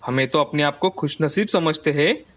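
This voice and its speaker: A man voicing a friendly, hospitable village man in a cartoon story, chatting warmly with a guest. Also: on the high side, normal speed, close to an everyday voice. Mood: admiring. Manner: warm, welcoming, chatty.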